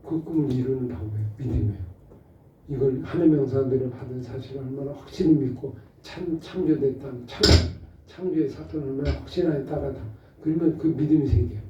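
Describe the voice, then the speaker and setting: A man's voice: medium pitch, fairly quick, a little hiss or hum. Distant, roomy-sounding male pastor. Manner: animated, rhetorical questions, acts out dialogue. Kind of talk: Bible study lecture. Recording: muffled roomy audio from a distant mic.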